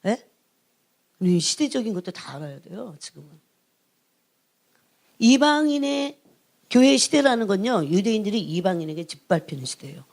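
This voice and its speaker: A middle-aged woman, an evangelist, preaching an emphatic sermon that keeps prodding her listeners and drops to hushed asides. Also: mid-range voice, sing-song, normal speed, vocal fry, pauses often. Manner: emphatic, prods the congregation with repeated "예?"; swings between raised emphasis and hushed asides. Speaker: church evangelist, prayer team leader.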